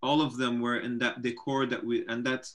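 A man in his thirties with a Lebanese accent, a filmmaker giving casual explanations in an interview on a video call, halting and repeating words. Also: medium pitch, little pitch movement, fairly bright tone. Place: home room with bookshelves, video call. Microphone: computer microphone on video call.

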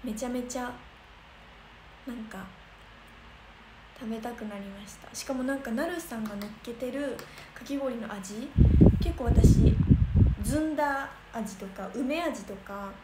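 A woman's voice: a little high, unhurried, long pauses. Bubbly young woman chatting on a stream. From Kansai region of Japan. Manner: chatty, bubbly, thinks aloud with many fillers. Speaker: idol livestreamer. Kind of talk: casual livestream chat reading comments. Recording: echoey room with noticeable noise.

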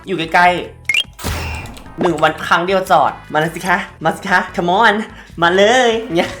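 A woman's voice: on the low side, steady tone, takes it slowly, fairly bright tone, faint music behind. A woman hosting a game let's play, chatting politely and shrieking now and then. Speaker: gaming host.

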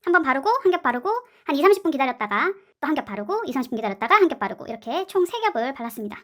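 A high-pitched, somewhat bright voice with big pitch swings comes from a slime and clay channel host narrating a casual craft tutorial at a rapid-fire pace. She chats playfully and adds cute sound words as she works.

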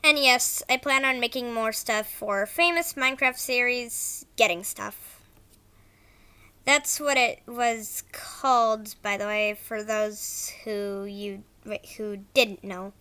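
A woman's voice: a little high, fairly even intonation, takes it slowly, bright, forceful tone, clear, resonant tone. A woman narrating informal scripted announcements as an animation creator, stumbling a little over her words.

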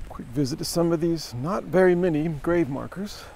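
Chatty gravelly man vlogging outdoors. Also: on the high side, moderate pace, darkish tone, slight background noise. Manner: chatty, wry asides to the viewer. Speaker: travel vlogger. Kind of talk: casual walking vlog narration. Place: outdoors on rainy town streets and inside a shop. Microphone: handheld camera at arm's length.

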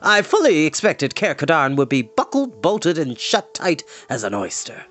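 A man's voice: fairly high pitch, huge pitch swings, moderate pace, a bit bright, faint music behind. Guy doing a boastful bard from a storybook, pompous n blustery, voice jumping up and down. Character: boastful, excitable male bard, self-assured adviser. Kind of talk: storybook read-aloud with character voices.

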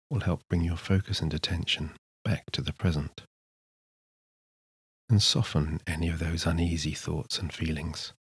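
A man narrating a scripted sleep hypnosis session in a soothing, measured manner with unhurried pauses. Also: a bass voice, husky, no echo. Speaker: hypnotist, guided meditation narrator.

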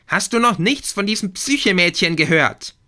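A bossy, shrieking goddess, as a male narrator puts her on, pitched far above his own voice. She barks orders loudly and sounds bright and sharp throughout. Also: animated, normal speed, full character voice. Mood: shrill outrage. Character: furious vain goddess mother, shrill.

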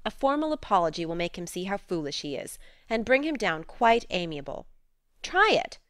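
A woman's voice: medium pitch, very animated, normal speed, no room sound, clean studio sound, natural voice. A woman reading a spirited, outspoken teenage girl who speaks earnestly and frankly.

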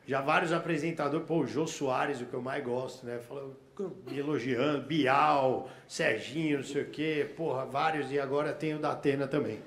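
This Brazilian comedian keeps a steady tone and normal speed with hardly any pauses, his medium-pitched voice a bit bright. Performing stand-up for a laughing crowd, he spins a slangy, curse-filled story and voices the other characters himself. Echo from the live room and audience noise are audible.

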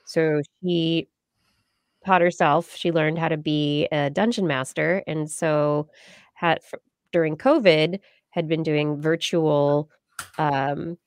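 On a video call indoors, a middle-aged American podcast host chats casually on a livestream, playful and rambling, right up against a large microphone on a boom arm. Her voice is low and slow with a steady tone, and there's no echo.

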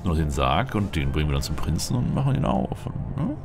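A man gives casual gameplay commentary in an extremely low voice. His pitch moves around in a lively way as he mutters to himself, and loud game music plays behind him. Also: a little fast, vocal fry. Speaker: let's player.

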